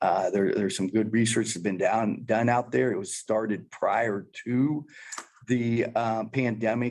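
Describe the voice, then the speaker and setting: Fairly even intonation marks this man's speech at medium pitch. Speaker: community college president. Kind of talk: presentation to a board. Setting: board meeting room. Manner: fast.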